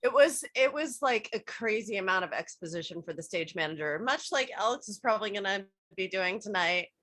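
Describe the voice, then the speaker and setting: A woman's voice: medium pitch, expressive, a little fast, a bit bright. A woman chatting casually on a video call as the organizer of a group read. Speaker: organizer of the virtual table read. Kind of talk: casual chat.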